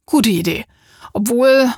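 A woman's voice: fairly high pitch, slow, a little mellow, slightly rough, dry recording, studio quality. A woman voicing a flustered, stammering middle-aged father in a storybook reading. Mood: musing.

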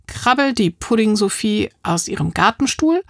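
A woman narrating a children's audiobook with a lively, expressive reading. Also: medium pitch, moderate pace, gravelly, no echo, studio quality. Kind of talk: scripted storybook narration.

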